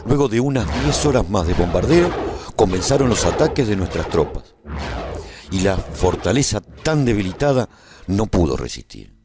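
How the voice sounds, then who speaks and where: A man playing a humane war survivor who recounts his own story in an expressive, reflective radio drama narration. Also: on the low side, normal speed, music in the background. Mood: firm, narrating.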